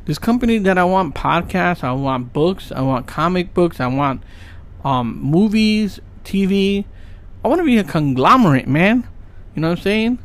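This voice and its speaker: A man's voice: high-pitched, expressive, moderate pace. Earnest rambling man pushing forty. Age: 30s. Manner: rambling, earnest, lots of fillers and "right?". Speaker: podcast host. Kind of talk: casual motivational monologue.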